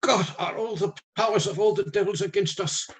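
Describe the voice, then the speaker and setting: Male actor as older Germanic professor, slightly high voice, grave, commanding, fatherly, theatrical radio drama. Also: a little fast, natural voice. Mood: grim, forceful. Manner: stilted foreign phrasing, commanding yet fatherly.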